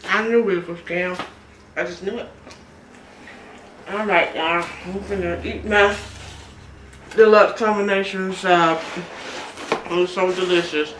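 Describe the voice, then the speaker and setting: A woman's voice: fairly low pitch, fairly even intonation, unhurried, pauses often, roomy sound, noisy background. A woman, chatting casually on her eating vlog and telling a story with frequent laughs. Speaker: mukbang vlogger. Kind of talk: casual chat while eating.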